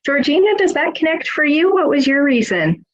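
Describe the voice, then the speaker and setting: A woman's voice: sits high, very animated, normal speed, muffled recording. A woman moderating an online student panel in a friendly, encouraging way. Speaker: webinar moderator.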